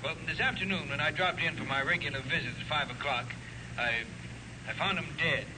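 A man acting as an earnest family doctor, with a middling-to-high voice and a measured delivery. It is 1940s radio drama with audible noise on the recording. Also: natural voice. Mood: concerned.

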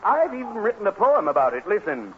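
A man's voice: sits high, big pitch swings, fairly quick. An actor playing a pompous, fussy little man who talks in rhymes and gets flustered easily, on an old radio broadcast. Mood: haughty. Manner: speaks in rhymes, grand and self-important. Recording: scratchy narrow 1950 radio broadcast with hiss.

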